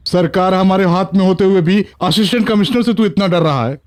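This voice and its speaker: An actor dubbing an arrogant, corrupt political boss who gives orders scornfully. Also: male voice, sits high, brisk, lightly acted. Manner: bossy, scornful, commanding. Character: arrogant corrupt male minister's man. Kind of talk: Hindi film dub. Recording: film soundtrack with clear music.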